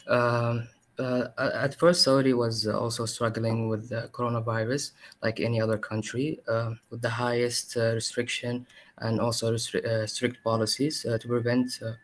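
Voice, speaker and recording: A man's voice: mid-range voice, flat delivery, moderate pace. A young man from Eritrea giving a student presentation online, hesitant and full of fillers.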